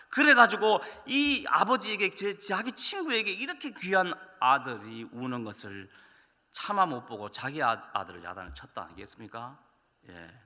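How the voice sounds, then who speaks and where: A man preaching a Sunday sermon as pastor, telling stories with lively acted-out voices. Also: medium pitch. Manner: animated storytelling, acting out voices. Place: church sanctuary. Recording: long church hall reverb.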